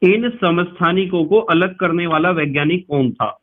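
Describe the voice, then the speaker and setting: A man's voice: high-pitched, moderate pace. A male chemistry teacher giving a patient lecture, repeating key points and quizzing his students. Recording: tinny lo-fi sound.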